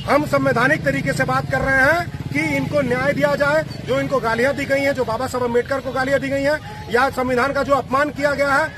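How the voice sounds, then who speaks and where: A man's voice: extremely high pitch, little pitch movement, fairly quick, few pauses, background noise. A man speaking as an activist, making an emphatic, accusing protest statement to the press outdoors.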